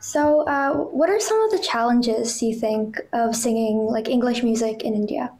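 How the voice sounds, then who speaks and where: Hesitant woman with a high voice. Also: normal speed, darkish tone. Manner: hesitant, many "like" fillers. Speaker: young guest singer asking questions. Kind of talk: casual questions on a video call.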